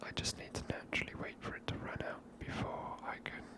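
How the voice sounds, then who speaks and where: A woman whispers breathily in a hushed, casual, musing way as she hosts an ASMR video game playthrough. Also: quick pace. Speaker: host of a gameplay series. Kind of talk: ASMR gameplay commentary.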